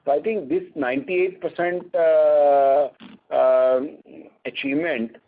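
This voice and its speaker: A man with an Indian accent answering questions as a company executive, speaking haltingly and repeating words. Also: a little high, steady tone. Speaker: company executive on an earnings call. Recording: narrow, tinny phone line.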